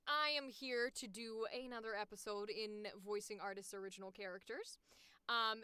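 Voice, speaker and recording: A woman with a naturally high, distinctive voice, chatting casually and playfully as the host of a voice acting livestream. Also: bright, forceful tone, clear, resonant tone, no echo. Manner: playful, giggly, self-mocking, chatty. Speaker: voice actor hosting a livestream series. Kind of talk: casual improvised livestream chat.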